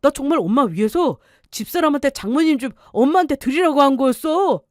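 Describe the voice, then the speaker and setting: A woman's voice: sits high, animated, brisk, dry recording, pitched above the performer's own voice. A scheming middle-aged husband who bullies and threatens his wife, as a woman puts him on for an audio story. He pushes hard and turns defensive when cornered, his voice dry and close with no room around it.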